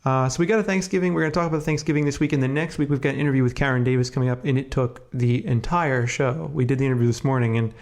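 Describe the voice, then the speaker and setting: A man with a cold co-hosts a casual podcast, his voice congested and sniffly. His delivery is relaxed and chatty, full of little fillers as he runs through the show. His voice sits at an ordinary middle pitch. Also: very fast, few pauses. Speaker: podcast co-host.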